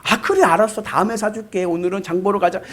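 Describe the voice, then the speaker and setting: Man doing a calm coaxing mother. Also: sits high, quick pace, voice pushed up. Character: patient mother refusing her son at the store.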